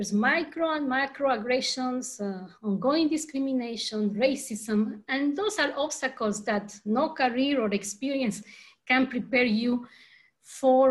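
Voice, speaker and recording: A woman talks fairly slowly in a somewhat breathy voice, her pitch varying in an ordinary way. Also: quiet background. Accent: Guatemalan. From Guatemala City. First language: Spanish. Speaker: state government official.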